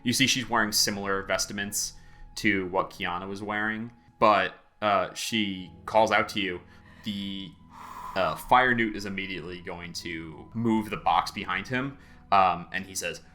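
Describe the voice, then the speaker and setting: A man running a tabletop game as game master, narrating haltingly with many fillers. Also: deep voice, steady tone, sharp tone, soft background music.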